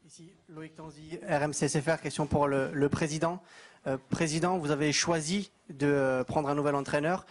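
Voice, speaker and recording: A man's voice: on the high side, steady tone, normal speed. A man, a radio reporter, putting a question at a press conference. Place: indoor press conference room.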